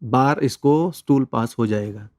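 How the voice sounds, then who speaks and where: Earnest man with a mellow voice. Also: mid-range voice, a little slow, no echo, studio quality. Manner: earnest storytelling, mixes in English words. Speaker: interview guest, devotee. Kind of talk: conversational personal testimony.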